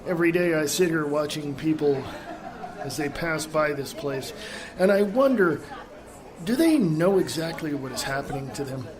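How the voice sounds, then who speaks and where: Man acting a pensive family man, higher-pitched voice. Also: expressive, moderate pace, a crowd in the background, close to an everyday voice. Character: reflective middle-aged family man, contented, musing on life. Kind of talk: radio theatre monologue.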